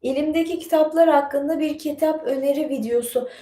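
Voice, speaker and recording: Woman streamer, higher voice, rambling and chatty, in a roomy studio. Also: a little fast, warm tone. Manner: chatty, digressive, many fillers. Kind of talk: casual live-stream chat and reading aloud. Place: home studio with bookshelves.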